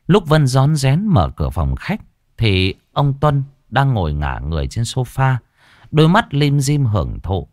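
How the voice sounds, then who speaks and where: A man narrating a ghost story in a dramatic, expressive way. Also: mid-range voice, dry recording, studio quality.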